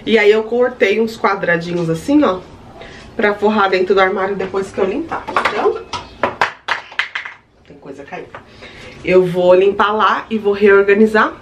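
A woman's voice: medium pitch, moderate pace, long pauses, lo-fi sound, background noise. A woman with a Brazilian Portuguese accent, in her thirties, chatting casually to her viewers in a home vlog from her kitchen. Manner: chatty, addresses viewers directly. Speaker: vlogger.

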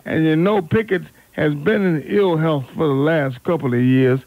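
A man's voice: a little high, dry recording. A man hosting an R&B oldies radio show with unscripted, fumbling chatter, repeating and correcting himself as he goes. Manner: halting, fumbling, self-correcting, repeats words. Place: radio studio. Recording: narrow, phone-like AM radio aircheck.

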